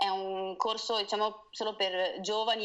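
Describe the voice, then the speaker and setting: This is a woman's voice at medium pitch. She talks at a moderate pace. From northern Italy, near the Swiss border. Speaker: film boom operator. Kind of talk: interview. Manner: halting, with many repetitions.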